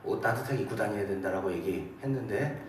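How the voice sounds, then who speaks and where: Hoarse pastor preaching with a cold. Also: male voice, lowish voice, distant mic, slight background noise. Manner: calm, measured preaching. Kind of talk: sermon. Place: military chapel. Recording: echoey hall, mic heard from afar.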